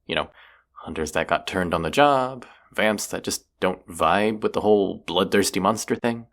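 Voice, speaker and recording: Man acting deep, gravelly, sarcastic young vampire hunter. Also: moderate pace, a bit bright. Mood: teasing, defiant. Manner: teasing, sarcastic, casual slangy delivery. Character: young cocky male vampire hunter, sarcastic and self-deprecating. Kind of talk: roleplay audio acting.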